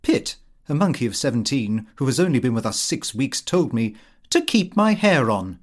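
British man reading with very lively intonation. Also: mid-range voice, moderate pace. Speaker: audiobook reader. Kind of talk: scripted narration of a comic fictional diary, read in character as the diarist.

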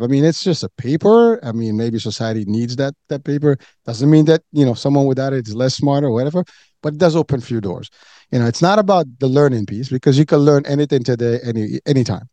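A man's voice: mid-range voice, mellow, no echo. A man from Morocco hosting a podcast, talking earnestly in a loose way, repeating words and saying "you know" a lot. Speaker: podcast host. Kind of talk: casual interview talk.

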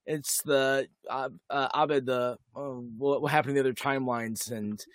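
A man co-hosting a podcast, recapping a TV episode in casual chat, animated and quick with asides. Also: mid-range voice, no echo, studio quality. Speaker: podcast co-host.

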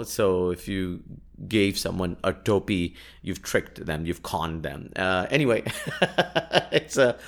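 A young man with a fairly low voice recounts his travels in a relaxed, rambling way. Urdu is his first language, and he leans on fillers and quick laughs as he goes. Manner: chatty, laughs often, many fillers and restarts. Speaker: podcast host. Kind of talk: casual travel storytelling.

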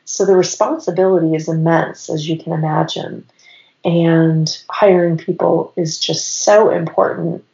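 A woman in her forties chats as a podcast guest, her voice a little raspy from a cold. She runs her sentences together with "and" as she talks, pitched on the low side. The sound is roomy and somewhat muffled. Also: steady tone, measured pace, warm tone. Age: 40s. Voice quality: slightly raspy. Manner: rambling, stacks clauses with "and". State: has a cold. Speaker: podcast guest, business owner. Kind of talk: casual interview storytelling.

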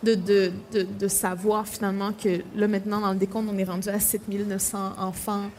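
A woman's voice: medium pitch, little pitch movement, fairly quick, a little mellow, a little hiss or hum. A young woman, an author speaking with many hesitations and restarts. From Quebec, Innu community. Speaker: author guest.

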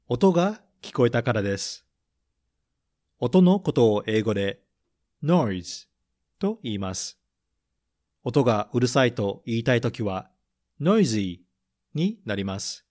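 A man reads a children's picture book and then quizzes listeners on English words, pausing after each question. He speaks very slowly and clearly at a middle pitch, repeating every point first in English and then in Japanese, like a patient teacher. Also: a little mellow. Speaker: storybook reader and English teacher. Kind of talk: bilingual picture-book reading and vocabulary quiz.

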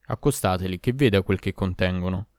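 A man voicing a stern, commanding caliph who gives slow orders, in a storybook reading. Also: low voice, a little mellow, no room sound, studio quality, lightly acted. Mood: insistent.

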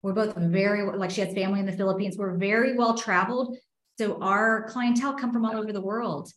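A woman's voice: mid-range voice, steady tone, a little fast, roomy sound, a little hiss or hum. A woman from Spain who grew up in Texas, a real estate agent chatting upbeat about her business in an interview. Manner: chatty, upbeat, finishes her partner's sentences. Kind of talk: casual interview chat.

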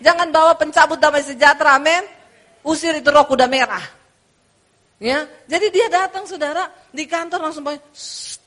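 A woman pastor preaching a sermon in a lively, humorous storytelling manner, calling the congregation to say amen. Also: sits high, a little fast.

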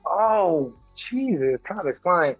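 A man from the American Midwest interviewing a guest in a casual, playful, slangy way with quick interjections. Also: sits high, very animated, breathy edge, no echo, narrow, tinny audio, faint music behind. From Detroit, Michigan, US.

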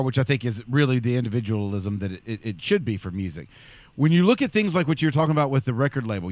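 A man's voice: medium pitch, no echo. A man hosting a casual podcast chat, rambling and often restarting his sentences. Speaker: podcast host.

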